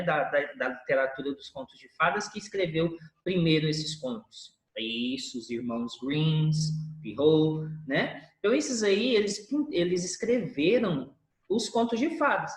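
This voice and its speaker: A woman teacher gives a recorded review lesson. Her voice rises and falls a great deal, and she holds stressed syllables long to show how the words are stressed. The recording has a clear echo from the room. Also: fairly low pitch. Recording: echoey room.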